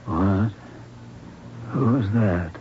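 An actor playing a frail, confused old doctor after a stroke, halting and repeating himself in a 1970s radio drama. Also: male voice, on the low side, animated. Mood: confused, wistful. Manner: halting, fragmented, repeats words. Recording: muffled, noisy old radio recording.

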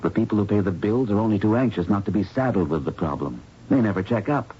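An actor playing an earnest, protective investigator with a wry, grave manner in a 1970s radio drama. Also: male voice, lowish voice, expressive, fast talker, husky. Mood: grim, wry. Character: earnest protective male investigator doctor in love. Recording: muffled noisy old radio recording.

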